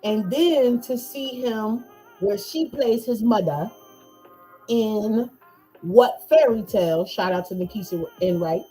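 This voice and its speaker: A woman hosting a podcast, chatting casually with a guest in Black speech, loud, laughing, animated banter. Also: medium pitch, slow, soft background music, poor audio. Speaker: podcast host. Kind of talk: casual chat. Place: home, eating on a livestream.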